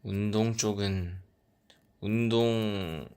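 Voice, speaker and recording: Low, gravelly soft-spoken young man. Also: fairly even intonation, very slow. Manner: soft-spoken, drifting into whispers and trailing off. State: sleep-deprived. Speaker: idol on a fan livestream. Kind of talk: casual livestream chat reading fan comments.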